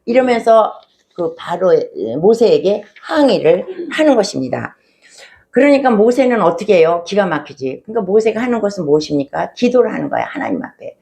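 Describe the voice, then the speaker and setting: A woman's voice: medium pitch, big pitch swings, fairly quick, vocal fry, mellow. A woman pastor preaching a sermon, retelling a scripture story and acting out its voices with rising feeling. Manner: storytelling, acts out quoted voices, rising emotion.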